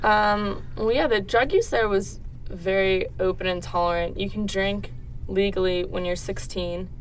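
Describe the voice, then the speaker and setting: A woman's voice: medium pitch, steady tone, measured pace. A young woman from the Netherlands answering interview questions in a casual, informal way, often hedging tentatively. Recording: distant mic, faint background noise.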